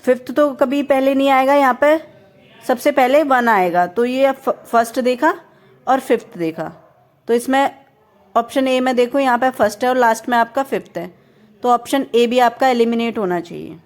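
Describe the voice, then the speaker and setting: High-voiced young woman explaining step by step. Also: moderate pace. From India. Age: young adult. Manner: step-by-step, asks the viewer questions. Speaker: teacher. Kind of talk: explaining a reasoning lesson.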